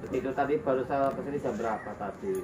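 A man's voice: medium pitch, fast talker. A man chatting casually with his client and friends while cutting hair in a small salon. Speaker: barber and channel host. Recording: roomy, far from the mic, noisy.

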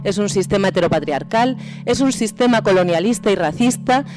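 Woman giving a measured, rhetorical statement. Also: mid-range voice, animated, over music. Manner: measured, rhetorical, builds lists. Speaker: feminist economist, tribunal expert. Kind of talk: formal statement. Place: conference hall panel. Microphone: table mic.

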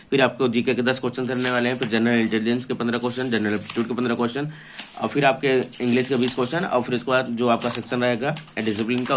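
A man's voice: mid-range voice, a little hiss or hum. A man giving an informal, explanatory walkthrough of a book, often repeating himself and reading out items. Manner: repetitive, explanatory, reading out lists. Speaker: presenter for a book publisher. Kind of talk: informal product walkthrough of an exam prep book.

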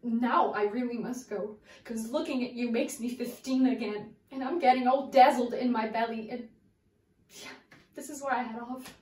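A young woman acting a hurt, lovesick woman confronting her lover in a searching, halting dramatic monologue. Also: a little high, steady tone, close to an everyday voice. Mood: torn, apologetic. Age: young adult. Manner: searching, halting soliloquy with pauses and swings from quiet to forceful. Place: indoor room before a plain backdrop. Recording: roomy echo, distant microphone.

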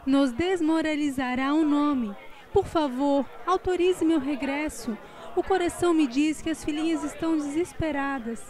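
Actress as anguished, proud wife for radio drama: high voice, indignant formal pleading, music behind. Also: female voice, darkish tone. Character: distressed, haughty wife and mother, departed spirit.

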